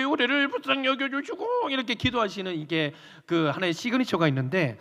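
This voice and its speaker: A male pastor preaching a storytelling sermon in a church sanctuary, acting out the dialogue of the people he describes. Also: sits high. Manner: animated, acts out dialogue. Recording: reverberant church hall.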